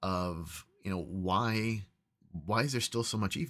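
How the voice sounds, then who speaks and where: A bright, sharp tone at a fairly slow pace, with ordinary pitch variation over a quiet background. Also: man. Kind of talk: devotional reflection. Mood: calm, warm, light laughs. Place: home room. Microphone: webcam.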